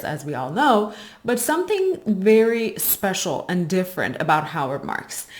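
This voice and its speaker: Female presenter, medium pitch. Prepared explainer delivery to viewers, measured, with emphasis on key phrases. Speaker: host of an investing channel. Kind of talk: explanatory investing commentary, prepared talk to viewers.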